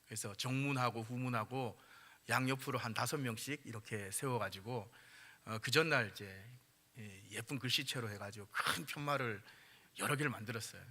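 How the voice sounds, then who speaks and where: A middle-aged man preaching a sermon in a chatty style with many fillers, growing louder and higher when he stresses a point. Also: long reverb tail. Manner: conversational, frequent fillers, rises in pitch and volume when emphasizing. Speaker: pastor.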